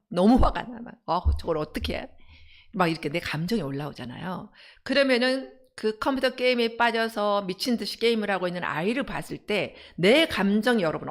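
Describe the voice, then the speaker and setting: A middle-aged woman, a counseling center director, giving an animated parenting lecture and asking her audience rhetorical questions. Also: medium pitch, fast, creaky. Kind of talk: parenting lecture on a live broadcast.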